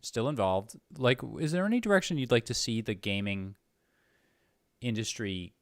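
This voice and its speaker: A man's voice: mid-range voice, sing-song, moderate pace, no room sound, studio quality. A man hosting a casual conversational interview, agreeable, feeling his way hesitantly through his questions.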